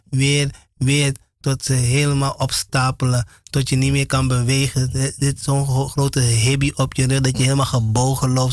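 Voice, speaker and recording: A man's voice: medium pitch, no echo, clean studio sound. A man, talking about faith on Christian radio and often stumbling and repeating words.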